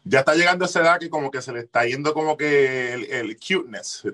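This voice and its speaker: A man's voice: a little high, wildly swooping pitch, normal speed, sharp tone. A man from Puerto Rico with a Puerto Rican accent, a musician guest chatting casually, jokey and slangy, dropping in English words. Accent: Puerto Rican Spanish. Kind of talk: casual chat.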